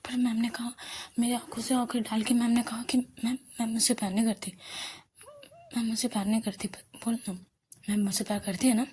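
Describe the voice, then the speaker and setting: A woman's voice: a little high, little pitch movement, brisk, a little mellow, slight background noise, close to an everyday voice. A woman voicing a heartbroken young woman student who pleads and repeats herself through tears. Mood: tearful.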